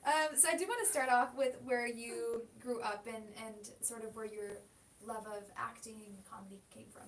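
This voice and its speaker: A woman's voice: fairly even intonation, moderate pace. A woman hosting an interview, asking questions and adding frequent affirming hums. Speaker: host. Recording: roomy, distant mic with faint rumble.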